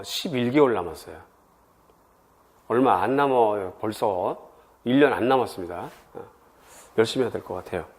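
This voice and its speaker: A middle-aged man from Seoul giving an exam prep info session, chatty and full of personal stories. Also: mid-range voice. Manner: lively, chatty, tells personal anecdotes. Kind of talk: admissions info session lecture.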